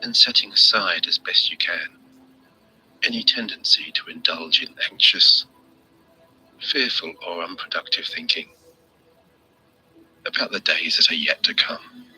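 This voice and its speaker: Very deep, soft-voiced man guiding sleep hypnosis. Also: slightly rough, poor audio. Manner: soothing, measured, with deliberate pauses between phrases. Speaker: hypnosis and meditation narrator. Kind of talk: scripted sleep hypnosis guided meditation. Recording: music bed under the voice. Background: music.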